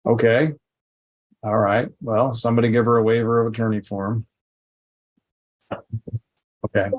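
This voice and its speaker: A man's voice: medium pitch, steady tone, measured pace, poor audio. A man speaking as a judge in a courtroom recording, running a hearing with short procedural questions and prompts. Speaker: judge presiding over a hearing.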